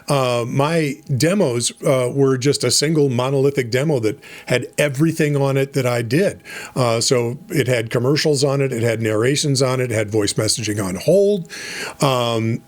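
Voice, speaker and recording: Easygoing middle-aged male voice coach. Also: mid-range voice. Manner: relaxed, conversational, with fillers and asides. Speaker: voice over coach. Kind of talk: casual instructional talk.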